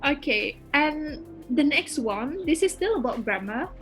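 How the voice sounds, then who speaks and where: A woman's voice: high voice, lively intonation, unhurried, a bit bright, faint music behind. A woman host whose first language is Indonesian, asking questions in a chatty, bubbly way. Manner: chatty, bubbly, lots of fillers and laughter. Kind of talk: casual interview questions.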